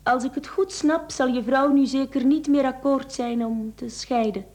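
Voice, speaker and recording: An actress with a Flemish accent playing a young mistress in a radio play, teasing, coaxing and calculating. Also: female voice, sits high, fairly even intonation, moderate pace, darkish tone, lightly acted. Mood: coaxing, determined. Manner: coquettish, teasing.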